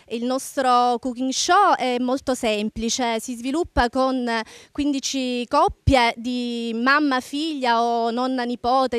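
A woman with a slightly high, smooth voice explains a cooking contest outdoors into a handheld mic. Her tone is plain and explanatory, and the sound is dry and close. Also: dry recording. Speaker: event organizer. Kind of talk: explaining an event. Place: outdoors in a courtyard.

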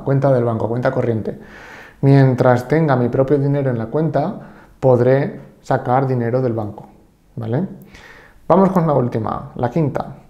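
A man with a Spanish-from-Spain accent who teaches Japanese in an online lesson and explains patiently, reading example sentences slowly and checking in often. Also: mid-range voice, dark tone, echoey room, lo-fi sound.

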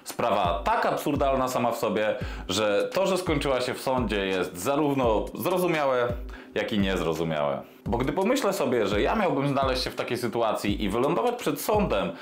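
A man in his thirties ranting sarcastically on a commentary vlog, swearing freely and dropping low for emphasis, recorded indoors on a lapel mic. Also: big pitch swings, moderate pace, roomy sound. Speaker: commentary vlogger. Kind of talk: scripted commentary rant. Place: small indoor room with desk and monitor.

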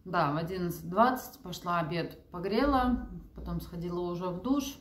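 A woman's voice: lowish voice, moderate pace. Chatty woman vlogging in an echoey room. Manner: chatty, informal, conversational. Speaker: vlogger and mother of young children. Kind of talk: casual vlog chat, talking to camera and to her toddler. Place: living room and bedrooms at home, indoors.

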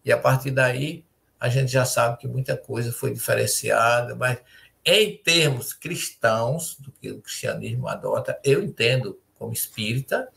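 An older man, a spiritist lecturer, explaining terms in a measured way with restarts, heard over a video call from a home study. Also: mid-range voice, vocal fry, fairly bright tone. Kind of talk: explanatory panel talk.

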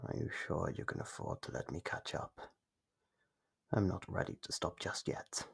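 An actor voicing an ancient, gleefully predatory monster in an ASMR horror roleplay, husky and breathy, teasing with slow menace. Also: male voice, low-pitched, exaggerated voice. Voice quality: husky, gravelly, breathy with whispers. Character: gleeful predatory monster from under the bed, centuries old.

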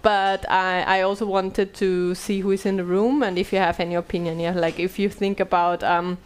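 A woman's voice: lowish voice, little pitch movement, moderate pace, clear, resonant tone. A woman in her thirties from Austria, speaking English, moderating a panel in a small room with many fillers and restarts. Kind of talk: conference panel talk. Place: small bright meeting room. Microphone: headset mic.

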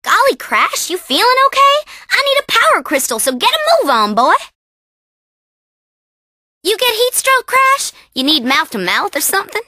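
Boastful tomboy animal racer: very high, animated, folksy Southern US drawl for a game. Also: female voice, moderate pace, no room sound, studio quality, full character voice. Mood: teasing impatience. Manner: folksy, brash, teasing. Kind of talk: animated video game character acting.

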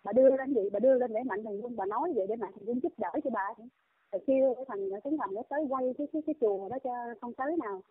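A middle-aged woman with a Southern Vietnamese accent scolds and complains in a long phone monologue. Her voice sits a bit high. The sound is tinny and dry, like a phone line. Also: very fast, no room sound. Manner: scolding, indignant.

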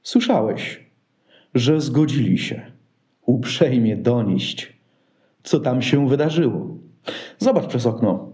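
A man's voice: medium pitch, expressive, slow pace, long pauses, mellow, reverberant. A man playing a pompous, self-assured scheming king in a Christmas radio play. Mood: smugly reassuring.

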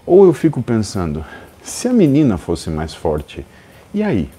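A man's voice: lowish voice, huge pitch swings, measured pace, mellow, husky. A man in his forties with a Brazilian Portuguese accent, telling a story as host of a live stream and acting out the people in it.

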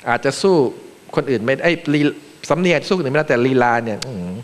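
A Thai man from Thailand, a panel speaker giving a joking, animated seminar talk in a large conference room. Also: medium pitch, quick pace. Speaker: panel speaker, acting vice president. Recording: long reverb of a large hall.

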